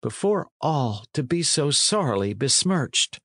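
A man's voice: medium pitch, sing-song, measured pace, fairly bright tone, no echo, clean studio sound, voice pushed up, exaggerated voice. A man voicing a plaintive, delicate but proud young runaway in a storybook, in courtly pleading archaic speech. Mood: pleading, rueful. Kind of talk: storybook character reading.

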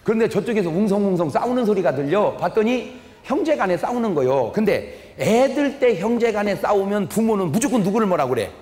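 An older male pastor gives a humorous revival sermon in a high, lively voice. He tells folksy stories and quizzes the audience. The sound echoes through a large church hall with a long reverb. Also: brisk. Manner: folksy storytelling, quizzes the audience, acts out quarrels.

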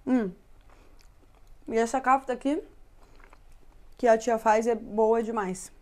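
A woman's voice: on the high side, fairly even intonation, slow pace. A young woman hosting a casual home cooking show, chatty, often checking in with listeners. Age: young adult. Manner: chatty, with filler "tá?" tags. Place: home kitchen and living room, indoors.

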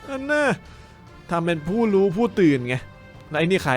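A man, commentating a fighting game with excitement, yelling and repeating words as he plays. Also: a little high, moderate pace. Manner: animated, yells and repeats words during fights. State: slight sore throat. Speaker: gameplay commentator. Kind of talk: excited Let's Play commentary. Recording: game music playing loudly behind.

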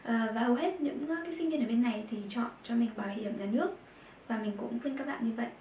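A woman with a fairly high voice teaches vocabulary in an echoey room with faint noise behind her. She says each term slowly, repeats it, and fills her pauses with soft hesitation sounds. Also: recorded from a distance. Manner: repeats words slowly and clearly, with frequent filler sounds. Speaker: German language teacher. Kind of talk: vocabulary lesson.

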